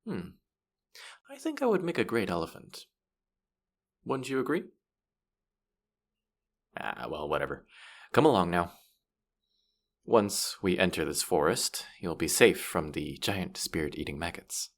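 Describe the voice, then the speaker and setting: Fantasy audio roleplay: male actor as boastful, playful afterlife trickster spirit, low register, very animated intonation, teasing and theatrical. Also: measured pace, pauses often, heavily acted. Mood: smug, playful. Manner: teasing, theatrical, mock-sympathetic, swooping delivery.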